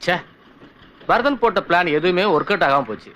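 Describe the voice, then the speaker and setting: An actor playing a pushy, scheming uncle who coaxes and insists in a film drama. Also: male voice, sits high, animated, fairly quick, pushed and bright. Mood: coaxing. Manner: insistent, coaxing.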